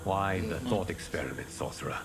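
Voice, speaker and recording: A man playing a solemn, wise protector-god in a video game, with a formal, grave, measured delivery. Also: sits low, vocal fry, noisy background. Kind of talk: dramatic video game acting.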